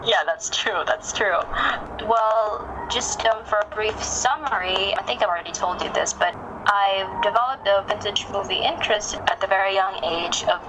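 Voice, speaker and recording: A woman being interviewed as a podcast guest, speaking conversationally in a polite, reflective, measured way. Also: medium pitch, background noise.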